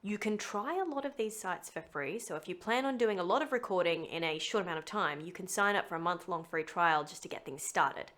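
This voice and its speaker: A woman's voice: lowish voice, brisk, hardly any pauses, fairly bright tone. A woman narrating a scripted tutorial in a chatty, playful way with wry asides. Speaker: voice actor giving a tutorial.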